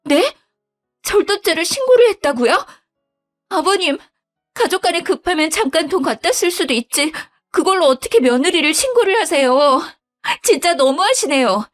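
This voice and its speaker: A woman voicing a deceitful young wife who begs and stammers in a high, whiny voice in a dramatized story. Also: animated, moderate pace. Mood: indignant. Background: faint background music.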